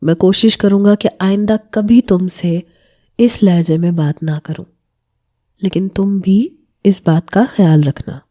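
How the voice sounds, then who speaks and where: A woman reading a young husband, coaxing and very dark-toned. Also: lowish voice, steady tone, natural voice. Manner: curt when angry, softening to coaxing and affectionate. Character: young newly married husband, possessive yet tender.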